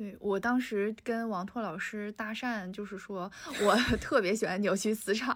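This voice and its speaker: A woman talks rather slowly and with fairly level intonation, background noise clearly present. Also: medium pitch for a woman. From Northeast China, Liaoning. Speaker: podcast host. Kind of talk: casual interview.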